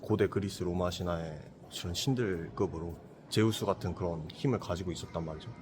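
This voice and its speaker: A man's voice: low-pitched, brisk, noisy background. A man hosting a Christian channel, chatting reflectively on a trip and sometimes acting out imagined villagers. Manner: reflective, acts out imagined villagers in lively voices. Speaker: Christian apologetics channel host. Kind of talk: casual travel conversation.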